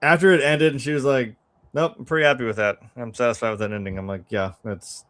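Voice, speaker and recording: A man's voice: medium pitch, steady tone, fast, fairly bright tone. A man in a casual film chat, co-hosting with laid-back, slangy reactions and asides.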